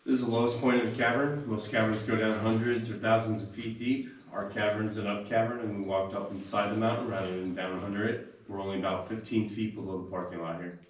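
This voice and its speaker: Echoing male cave guide, low-pitched. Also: fairly even intonation, fast talker, few pauses. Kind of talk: guided tour narration to a group. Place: inside a cavern. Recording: very echoey cave, distant mic, music behind.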